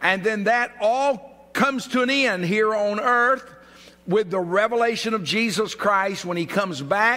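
A man speaks in a raised, projected voice. His pace is moderate and his pitch varies in an ordinary way. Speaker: pastor. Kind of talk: sermon. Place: church.

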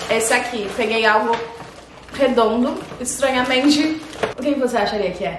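Over noticeable background noise, a woman with a high voice speaks in an animated tone at a moderate pace. Her pitch varies in an ordinary way, and she takes long, frequent pauses. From Brazil. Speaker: YouTuber. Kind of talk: casual chat. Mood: playful, joking, disgusted reactions. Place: home room.

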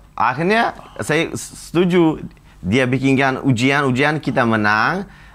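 This man talks at a fairly slow pace. His fairly high voice has lively intonation. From Uzbekistan. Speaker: expat guest; talk show guest. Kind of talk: casual chat; interview answer. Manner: halting. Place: studio. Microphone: lapel.

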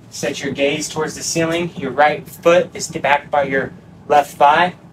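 Noticeable background noise sits under a man speaking at a moderate pace with a fairly high pitch and monotone, flat intonation. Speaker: yoga instructor. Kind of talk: guided yoga class with cues. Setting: video class. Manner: calm, rhythmic, soothing cueing; encouraging, warm. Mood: calm, spiritual, encouraging. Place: home room. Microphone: camera far.

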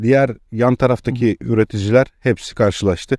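A man with a normal speaking voice talks at a moderate pace with ordinary pitch variation, recorded very cleanly with a silent background and a dry, close sound with no echo. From Turkey, Foça, İzmir (Aegean). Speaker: farmer. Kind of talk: interview. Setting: outdoors.

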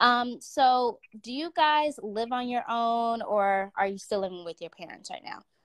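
A woman's fairly high voice, an ordinary speaking voice, at a fairly slow pace with lively intonation, big swings in loudness and hardly any pauses. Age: young. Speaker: video host leading group discussion. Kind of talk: casual group chat.

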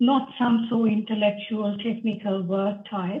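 Fairly slow pace from a woman. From Sri Lanka. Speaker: spiritual coach and author; spiritual coach. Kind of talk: casual interview. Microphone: webcam.

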